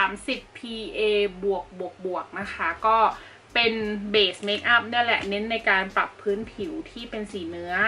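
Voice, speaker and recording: A woman's voice over faint background music. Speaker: beauty vlogger. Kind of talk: tutorial. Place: home room.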